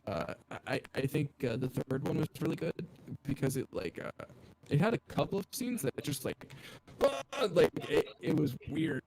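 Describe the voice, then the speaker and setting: A man's voice: mid-range voice, gravelly, darkish tone, a little hiss or hum, low-quality recording. A man in casual online chat, rambling with lots of filler words while his audio cuts in and out at uneven volume. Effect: audio cutting out, uneven volume.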